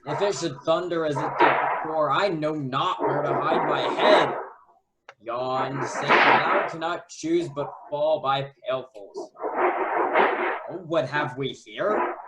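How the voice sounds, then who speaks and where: A man plays a foolish, puzzled jester in a Shakespeare radio play. He speaks slowly in a fairly high voice, with loud noise in the recording. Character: foolish jester sheltering from storm, puzzled by monster.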